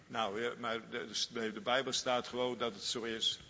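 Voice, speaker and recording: A man's voice: medium pitch, little pitch movement, moderate pace, pushed and bright, big-room sound, lo-fi sound, a little hiss or hum. A man preaching a sermon, fervent and repetitive, lingering on each phrase.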